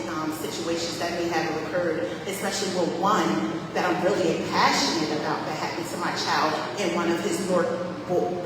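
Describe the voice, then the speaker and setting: A woman speaking as a parent at a school board meeting, earnest and emphatic, repeating her points. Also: medium pitch. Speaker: parent speaking at public comment. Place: large meeting hall. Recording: echoey hall from far off, noisy.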